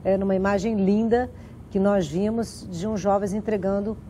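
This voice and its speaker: A woman's voice: mid-range voice, fairly even intonation, warm tone, slight background noise. A woman hosting a conversational interview, often breaking off and rephrasing as she goes. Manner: halting, self-interrupting. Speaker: programme host.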